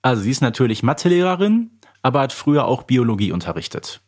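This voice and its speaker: Male podcast panelist, mid-pitched and very animated, playful self-assured banter. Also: quick pace, noisy background. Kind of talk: casual quiz banter.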